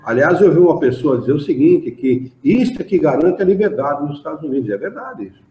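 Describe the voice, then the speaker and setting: Leading an informal study group in an association's hall, a man with a Brazilian Portuguese accent chats animatedly and reads passages aloud. His voice is fairly high, very lively and brisk. The room sound is dull and echoey.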